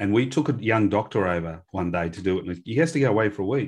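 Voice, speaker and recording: The background is quiet as a man speaks in an Australian accent. He moves along at a fairly quick pace. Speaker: podcast host. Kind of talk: casual interview.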